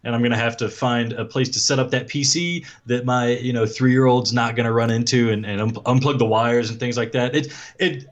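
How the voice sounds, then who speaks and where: Male guest with a deep voice, musing and modest, restarting his sentences. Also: fairly even intonation, brisk, few pauses, dull audio. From South Dakota. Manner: thoughtful, self-deprecating, frequent restarts. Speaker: podcast guest. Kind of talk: casual chat.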